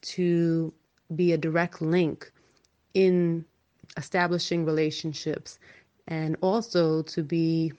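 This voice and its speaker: Low-voiced woman from New York. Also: flat delivery, slow, darkish tone, lo-fi sound. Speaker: podcast guest. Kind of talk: personal storytelling, read aloud.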